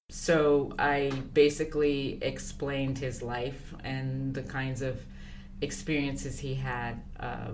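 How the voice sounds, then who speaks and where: An older woman speaking as an interview guest, answering in a thoughtful, measured way with fillers and pauses. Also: very deep voice, a little hiss or hum. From born in Liberia, raised abroad. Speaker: guest, consultant.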